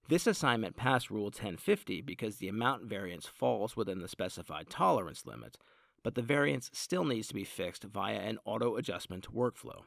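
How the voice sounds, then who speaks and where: Low, creaky male tutorial narrator. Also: no echo, studio quality. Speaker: software demo narrator. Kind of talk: scripted product tutorial narration.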